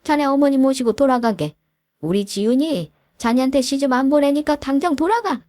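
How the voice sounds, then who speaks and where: A woman's voice: sits high, normal speed, darkish tone, no room sound, studio quality, pitched above the performer's own voice, natural voice. A woman voicing a stern middle-aged uncle who scolds and gives orders in a story reading. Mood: scolding. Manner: scolding, commanding. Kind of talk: storybook voice acting.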